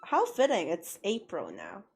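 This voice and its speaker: Young female art streamer, self-deprecating and rambly, slightly sore throat, soft music under her talk. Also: fairly low pitch, huge pitch swings, unhurried, creaky. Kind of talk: casual stream chat while drawing. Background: faint music.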